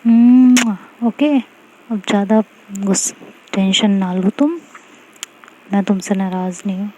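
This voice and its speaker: Woman voicing a feisty young woman, quick temper, warm mellow voice. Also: mid-range voice, a little hiss or hum, natural voice, poor audio. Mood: soothing. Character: young woman, fiery but affectionate friend.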